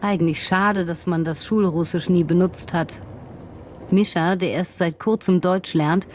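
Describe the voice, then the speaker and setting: Dunkle, ruhige Erzählerinnenstimme. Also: female voice, on the low side, a little hiss or hum. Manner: calm, measured first-person storytelling. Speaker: journalist and narrator. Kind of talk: reflective documentary narration.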